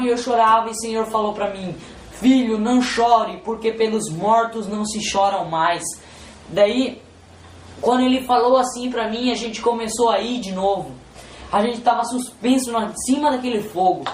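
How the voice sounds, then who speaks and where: Brief: man, emotional religious testimony, halting and repetitive, roomy echo. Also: very high-pitched, slight background noise. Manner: halting and repetitive, constantly addressing "Senhor". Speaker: testimony giver. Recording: roomy with faint background ambience.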